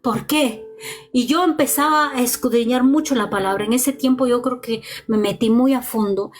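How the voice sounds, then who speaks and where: A woman's voice: fairly high pitch, moderate pace, over music. A woman preaching a personal testimony in an impassioned, repetitive style, speaking straight to her listeners. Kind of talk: testimony sermon.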